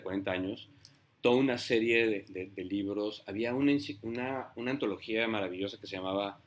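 A man, a writer on a panel, speaking in a reflective, halting way, often repeating words and clearing his throat. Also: on the low side.

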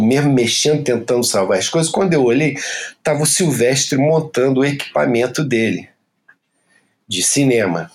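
A Brazilian man with a Brazilian Portuguese accent, telling a story as an interview guest in a casual, profane and animated way. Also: mid-range voice.

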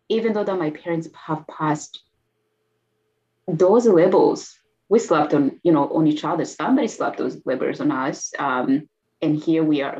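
A middle-aged woman with a Rwandan accent, a guest telling her life story quickly and earnestly, with soft laughs. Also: low voice, muffled recording. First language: Kinyarwanda. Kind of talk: personal testimony interview.

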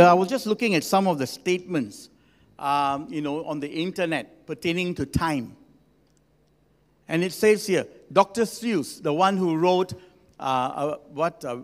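A man of sixty preaching as a senior pastor in a conversational, gently humorous way, with emphatic pauses. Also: fairly high pitch. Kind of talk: sermon to a congregation. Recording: long hall reverb.

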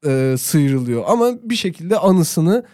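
A man with a high voice muses at length in a relaxed chat and wanders from thought to thought. The recording is close and dry. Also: slow pace, dry recording. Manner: reflective, rambling musing. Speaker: podcast co-host. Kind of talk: casual chat.

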